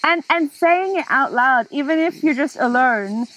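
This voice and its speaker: A woman in her thirties hosting a casual chat outdoors, animated and quick to laugh. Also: high voice, rough recording. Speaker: host. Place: outdoors in a garden, seated in a hammock.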